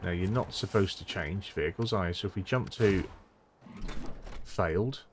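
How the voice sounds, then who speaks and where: A man in his thirties talks through a game in an easy, chatty way, with a slightly low voice. He chuckles often between remarks, and his voice sounds a little strained and worn. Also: moderate pace, slight background noise. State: voice strained, close to losing it. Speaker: gameplay commentator. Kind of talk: casual let's-play commentary.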